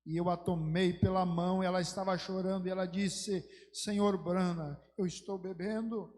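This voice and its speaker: A high-pitched man preaches, his voice trailing off into a long, ringing hall reverb. He tells a story with fervor and presses his points with rising emphasis, as a pastor speaking from the pulpit. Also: steady tone, moderate pace, a little mellow. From Brazil. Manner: fervent storytelling preaching that swells into emphatic exhortation. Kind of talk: sermon. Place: church sanctuary.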